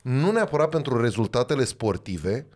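A man's voice: medium pitch, sing-song, darkish tone. A man with a Romanian accent hosting a podcast, joking and asking questions in casual interview chat. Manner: joking, asks questions, chimes in. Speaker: podcast host.

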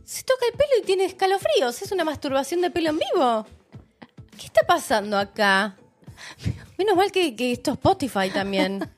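A woman's voice: high-pitched, sing-song, normal speed, soft background music. A young woman with a Rioplatense Spanish accent, co-hosting a podcast and bluntly teasing her partner with cheeky remarks. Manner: teasing, blunt, swears freely. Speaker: podcast co-host. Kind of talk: casual banter, teasing interjections.

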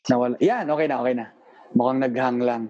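Man, podcast host, mellow voice, joking and easygoing, video call. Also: mid-range voice, steady tone, fast talker, muffled recording. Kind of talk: casual interview chat.

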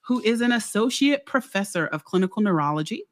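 A woman from Chicago hosting a chat show, energetic and chatty with some filler ums. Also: medium pitch, a little fast. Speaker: show host and neurologist. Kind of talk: upbeat conversational hosting.

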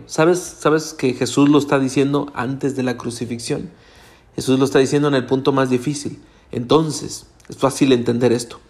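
With a medium-pitched voice that's gravelly and a little mellow, a Latin American Hispanic pastor speaks earnestly. He preaches his sermon by addressing the congregation directly.

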